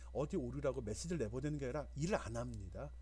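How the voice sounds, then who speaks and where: Audible echo fills the room as a man talks very quickly. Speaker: programming lecturer. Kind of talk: lecture. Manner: fast.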